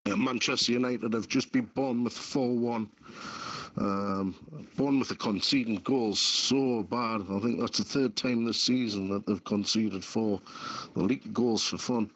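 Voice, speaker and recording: A man's voice: fairly low pitch, unhurried. A man giving a casual sports update as a contributor, recorded over a dull lo-fi voice chat.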